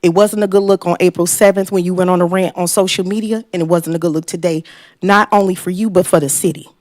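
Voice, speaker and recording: A woman's voice: fairly low pitch, steady tone, darkish tone, no echo, studio quality. A woman making a podium speech as a resident at public comment, apologetic and unpractised at speaking in public. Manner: halting, apologetic, self-described inexperienced public speaker. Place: council meeting room, at a podium.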